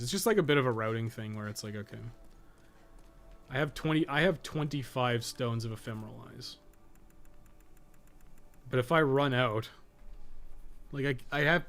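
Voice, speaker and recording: While streaming a game, a man thinks aloud and chats in a loose, rambling way, muttering to himself and swearing now and then. His voice is medium-pitched and a bit bright.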